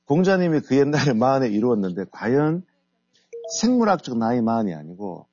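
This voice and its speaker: A middle-aged man being interviewed on the radio, calmly explaining his ideas. His voice is mellow, and his pitch moves a lot. The sound is dry and dull, as on an older broadcast. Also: no room sound. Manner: explaining, measured. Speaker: guest author and company head. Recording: dull lo-fi radio studio audio.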